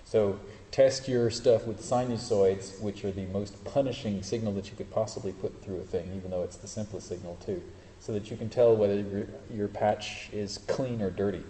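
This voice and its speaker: Here a man lectures informally at a university, demonstrating things live, amending what he says on the fly and adding dry jokes. His voice sits on the low side, warm and steady, at a moderate pace. There's roomy echo from the hall and a faint hiss.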